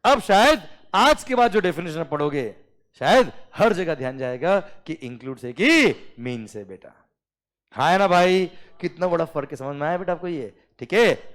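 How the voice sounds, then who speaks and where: A man with an Indian accent teaching a classroom lecture. He dictates slowly word by word, then explains quickly and keeps checking that the students follow. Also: on the high side, lively intonation, fairly bright tone. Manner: checks understanding often, calls students "beta" and "sir".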